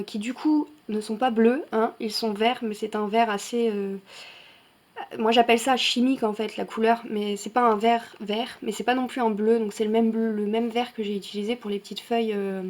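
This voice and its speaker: A woman's voice: a little high, a little mellow. A woman hosting a coloring channel, talking casually through her finished pages with frequent fillers and self-corrections. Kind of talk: casual show-and-tell vlog.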